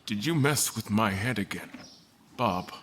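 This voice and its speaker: Slow, low-voiced frightened captive. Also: male voice, expressive, a bit bright, slight background noise. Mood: wary, accusing. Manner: halting, hesitant, plainspoken. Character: frightened, confused captive man, wary and defiant. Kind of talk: audio drama acting.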